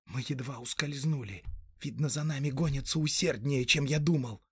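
A man voicing a gentle, cautious young male hobbit who talks in a calm, hushed way. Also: normal speed, breathy edge, dry recording, clean studio sound. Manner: hushed, calm, low-voiced.

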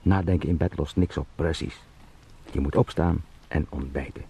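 An actor playing an anxious travelling salesman in a radio drama, muttering haltingly and repetitively to himself in a gravelly voice. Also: rumbling low, mellow, exaggerated voice. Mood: self-persuading.

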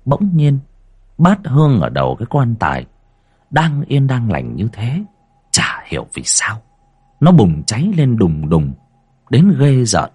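A man narrating a ghost story in a dramatic, expressive storytelling manner. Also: medium pitch, measured pace, breathy edge.

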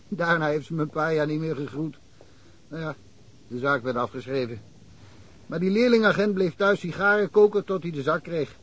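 An actor playing a talkative middle-aged provincial police detective in a radio drama, telling wry stories and chuckling often. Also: male voice, on the high side, normal speed, pauses often, close to an everyday voice. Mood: amused, chatty.

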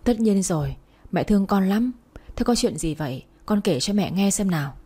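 A woman's voice: medium pitch, animated, normal speed, dark tone, breathy edge. A woman voicing a kind older woman, a future mother-in-law who comforts the girl and bosses her son, in a storybook reading. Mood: soothing. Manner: soothing and motherly. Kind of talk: storybook narration.

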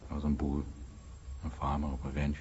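Very deep-voiced, subdued middle-aged ex-pilot. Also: male voice, moderate pace. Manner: flat, terse answers. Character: 42-year-old former war pilot on trial, subdued, terse. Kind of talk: radio docudrama courtroom acting. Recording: muffled, echoey courtroom, distant, faint noise.

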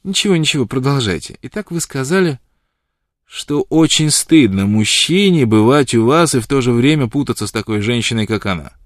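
A man's voice: medium pitch, expressive, fairly quick, no room sound, clean studio sound, pitched above the performer's own voice, close to an everyday voice. A man voicing a bold, teasing young woman in an audiobook reading, with a light, mocking delivery.

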